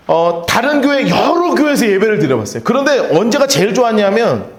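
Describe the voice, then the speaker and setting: Lively, high-voiced male pastor preaching. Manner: animated, swings between loud emphasis and hushed storytelling; asks the congregation to repeat phrases. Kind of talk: sermon. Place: church sanctuary. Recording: echoey church sanctuary.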